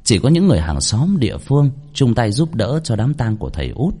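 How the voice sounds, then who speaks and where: Male storyteller for a ghost tale: husky, highly animated, dramatic. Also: fairly quick.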